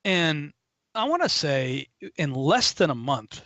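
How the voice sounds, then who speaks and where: A man hosting a casual conversation, talking in a relaxed way with hesitant restarts. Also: a little high, slow pace, no room sound. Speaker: podcast host. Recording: dull dry recording.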